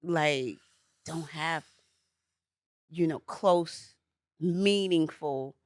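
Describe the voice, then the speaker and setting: A woman's voice: low-pitched, very slow, no room sound, studio quality. A woman in her forties co-hosting a podcast, telling a story in casual chat and laughing easily. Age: 40s. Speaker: podcast co-host.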